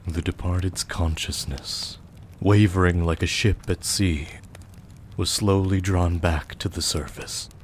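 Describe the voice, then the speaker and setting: A man narrating a scripted audio drama in a measured storytelling manner. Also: low-pitched, fairly even intonation. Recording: faint background noise.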